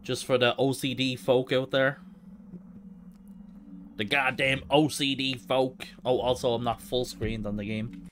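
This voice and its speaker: A man's voice: medium pitch, level tone, unhurried, pauses often, fairly bright tone, slight background noise. A man hosting a gaming livestream in casual, slangy, informal chat. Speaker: livestream host, speedrunner.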